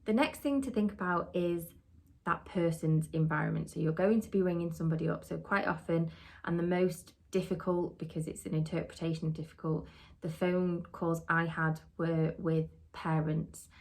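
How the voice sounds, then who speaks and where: A middle-aged woman, giving an earnest, steady training talk on social work and asking many rhetorical questions. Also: lowish voice, moderate pace. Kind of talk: podcast teaching talk.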